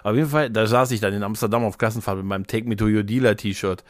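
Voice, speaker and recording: A man's voice: lowish voice, fast talker, dry recording. A middle-aged man chatting casually as a podcast host, telling anecdotes and acting out what people said. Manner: animated storyteller, acts out quotes.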